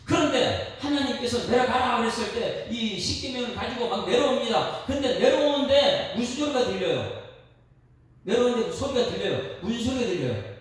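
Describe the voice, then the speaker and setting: A man's voice: very high voice, animated, fairly quick. A male pastor giving an evening sermon in a church, emphatic and repetitive, full of rhetorical questions. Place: church sanctuary. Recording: echoey sanctuary from far off.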